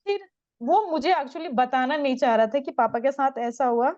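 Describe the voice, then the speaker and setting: Young woman from Bihar, high pitch, dry and slightly dull recording, distressed interview testimony. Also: moderate pace, darkish tone, no echo. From Bihar, India. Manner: urgent, distressed retelling, addresses the interviewer as sir.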